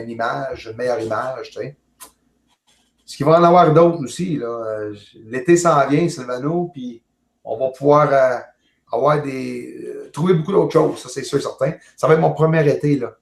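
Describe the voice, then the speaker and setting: A man with a Québécois French accent, a guest chatting casually over a video call, jovial and halting with many fillers and restarts. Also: medium pitch, a little mellow. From Quebec, Canada. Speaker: guest, amateur astronomer. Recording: roomy echo.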